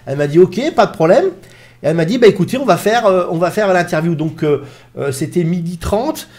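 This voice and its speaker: A man chatting casually to his viewers, full of fillers and restarts. His voice sits a little high for a man. He talks like a YouTuber telling a story straight to camera. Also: lively intonation, fairly quick, darkish tone. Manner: rambling, many fillers and restarts. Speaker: YouTuber recounting a TV interview.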